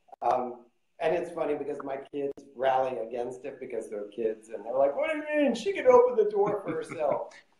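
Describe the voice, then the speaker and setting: A man speaks with an American accent at a moderate pace. There is audible room echo. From Minnesota. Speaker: life coach and livestream host; life coach, livestream host. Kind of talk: live stream interview chat. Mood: warm, upbeat. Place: home room. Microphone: phone near.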